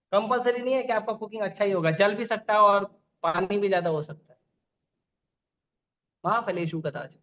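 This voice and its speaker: Man preaching, high voice, rhetorical questions, repeating lists, dull lo-fi sound. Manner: repetitive listing. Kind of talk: Gita lecture.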